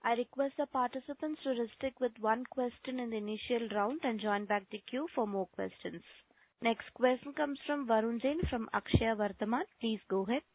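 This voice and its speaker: A woman's voice: fairly high pitch, moderate pace. A woman with an Indian accent moderating a conference call as operator, formal and polite. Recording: dry, slightly muffled conference line.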